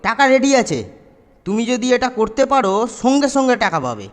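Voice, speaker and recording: Man voicing an extremely high-pitched young schoolboy. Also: very animated, fairly quick. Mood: wary. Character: wronged, protesting young schoolboy. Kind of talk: children's cartoon voice acting. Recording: long reverb, faint background music.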